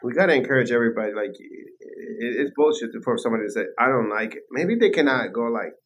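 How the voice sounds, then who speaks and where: A man hosting a podcast interview, speaking in a quick, emphatic, enthusiastic way. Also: medium pitch, expressive, a bit bright, a little hiss or hum. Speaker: podcast host. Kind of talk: casual interview chat.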